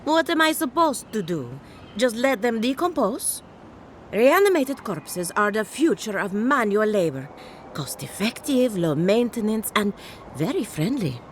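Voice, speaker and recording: An actress playing a chatty, morbidly cheerful necromancer farmer in a fantasy game, wry and theatrical. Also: female voice, medium pitch, sing-song, unhurried, a little hiss or hum. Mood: exasperated, proud. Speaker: game character. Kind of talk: scripted video game dialogue.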